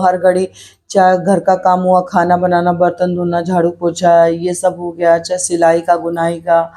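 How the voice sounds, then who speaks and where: Middle-aged woman vlogger, earnest personal talk, flat and dark-toned delivery. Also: on the low side. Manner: earnest, reflective, repeats herself while speaking her mind. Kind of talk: personal vlog talk to camera.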